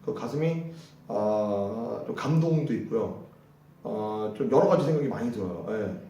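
A man's voice: fairly low pitch, lively intonation, unhurried, dark tone, distant mic. A man teaching English to a class, repeating short phrases for the students to echo and chatting between drills. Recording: very echoey hall, voice from afar.

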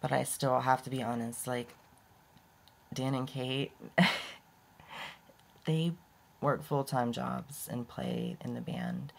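A young woman rambling candidly in a casual unedited vlog, her voice prone to going hoarse. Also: rumbling low, steady tone, slow pace, long pauses. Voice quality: voice often goes hoarse. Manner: rambling and candid, with many restarts and laughs. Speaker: vlogger.

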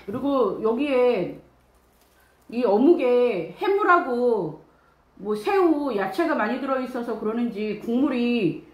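A woman's voice: fairly high pitch, echoey room, poor audio. A woman streaming a casual eating show, chatting about the food while speaking behind her hand as she chews. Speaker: mukbang streamer. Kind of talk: casual eating livestream chat.

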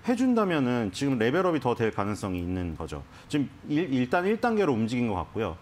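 A man's voice: medium pitch, huge pitch swings, fast talker, darkish tone. A man explaining stocks on a financial TV program, talking in a conversational, explanatory way with frequent restarts. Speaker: stock analyst guest. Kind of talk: conversational market commentary. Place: TV studio.

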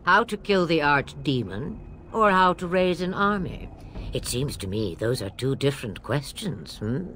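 An actress playing an old witch mother, sly and imperious, with a low, weathered voice and measured, theatrical delivery in a fantasy game. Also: very animated, fairly bright tone, slight background noise, full character voice. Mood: wry, portentous. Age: older. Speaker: witch of the wilds.

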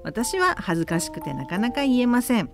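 Lively Kansai woman on talk radio. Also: fairly high pitch, brisk, music in the background. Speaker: radio show co-host reading listener letters. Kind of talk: reading letters aloud and chatting on a radio talk show.

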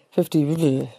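Nz woman in her 50s, low mellow voice, chatty and jokey about herself, dry studio sound. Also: dry recording. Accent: New Zealand. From New Zealand. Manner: chatty, self-deprecating, light humor with laughs and fillers. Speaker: psychotherapist guest. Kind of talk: relaxed personal introduction. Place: small indoor TV studio.

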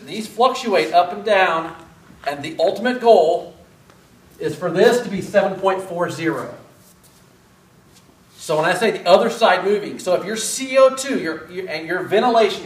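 A middle-aged man teaching at a whiteboard through a face mask, casual and self-deprecating, quizzing his students as he goes. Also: sits high. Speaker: respiratory therapy instructor. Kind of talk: classroom whiteboard lecture. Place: large classroom with whiteboard. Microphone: far camera. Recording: echoey room from far off.

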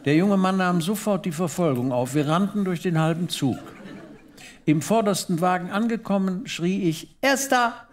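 A man's voice: high-pitched, normal speed, background noise. A man reading comic diary entries aloud on a show. When he talks freely he is loose and full of fillers. When he reads he keeps a dry, well-timed delivery. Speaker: co-host reading comic literature.

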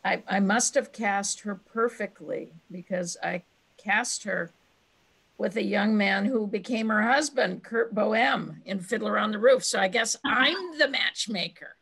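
Older lady hosting on a video call, bit gravelly, gushes over her guests. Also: mid-range voice, measured pace, a bit bright, rough recording. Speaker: host. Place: home room with bookshelves.

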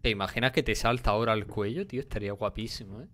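A young man with a Spain Spanish accent streams a horror game, tossing out crude, sweary commentary and laughing often. His voice is on the low side and a bit bright, he talks at a racing pace, and there's a little hiss or hum in the audio.

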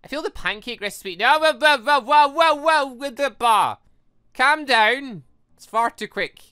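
A man hosts a casual playthrough of a visual novel, chatting in a rambling way about what comes next and reading the on-screen text aloud. His voice is bright and his pitch swings widely. The sound is dry and close, with faint game music underneath. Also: animated, unhurried, smooth, no echo. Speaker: let's-play host. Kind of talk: casual gameplay commentary.

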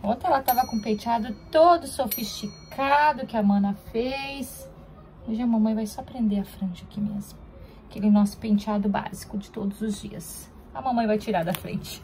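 A woman's voice: a little high, a little mellow, a little hiss or hum. Chatty Brazilian woman vlogging chores. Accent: Brazilian Portuguese. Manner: chatty and homey, often breaks into fond baby talk with her daughter. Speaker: homemaker vlogger. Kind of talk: casual chat to viewers while doing chores. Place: at home, indoors.

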